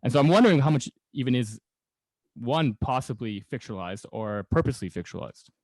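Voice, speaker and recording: A man's voice: mid-range voice, expressive, fairly quick, a little mellow, no room sound, rough recording. A man hosting a casual interview, rambling a little as he searches for words. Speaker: podcast host.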